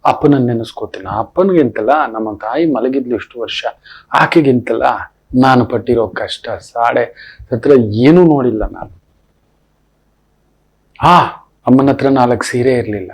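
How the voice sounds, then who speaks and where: A man's voice: medium pitch, normal speed, pauses often, a little mellow, breathy edge. Emphatic middle-aged male astrologer. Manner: emphatic, repeats refrains. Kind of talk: spoken discourse with anecdotes.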